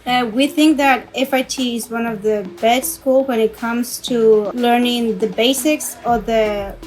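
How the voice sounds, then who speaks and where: A young woman from the Dominican Republic, a fashion designer, giving measured interview answers with pauses. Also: fairly high pitch, fairly even intonation, low-quality recording. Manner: measured, thoughtful with filler pauses.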